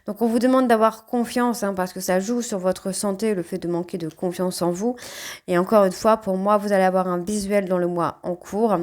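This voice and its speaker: A woman's voice: mid-range voice, steady tone, normal speed, a little mellow. A woman with a northern French ch'ti accent giving a casual spoken tarot reading, often tagging her sentences with "hein". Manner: chatty, frequent "hein" tags. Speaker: tarot card reader.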